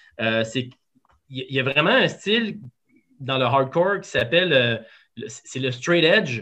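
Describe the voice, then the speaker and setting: This is a man speaking. He has a Quebec accent. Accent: Québécois French. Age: 40s. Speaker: entrepreneur. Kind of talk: casual interview.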